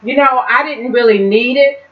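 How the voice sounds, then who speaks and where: A woman's voice: on the high side, normal speed. A woman hosting a casual cooking vlog, chatting and explaining each step as she cooks. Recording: dull lo-fi home video sound.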